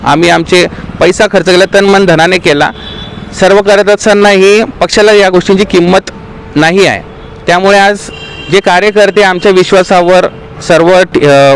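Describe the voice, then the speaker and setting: Local party official, male, higher voice, earnest grievance speech recorded out on the street. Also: a little hiss or hum, poor audio. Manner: aggrieved, earnest, appealing to party workers. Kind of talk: impassioned statement to the press.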